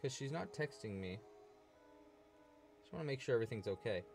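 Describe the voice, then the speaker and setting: A man's voice: mid-range voice, expressive, brisk, gravelly, darkish tone, soft background music. A young man teaching crochet on a home live stream, chatty and playful, reading chat messages aloud and laughing as he works. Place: small room at home, indoors.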